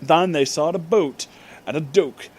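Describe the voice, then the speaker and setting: On the high side and a little mellow, a man's voice delivers fan fiction as a comedic dramatic reading. He sticks to the misspellings exactly as written and adds asides of his own.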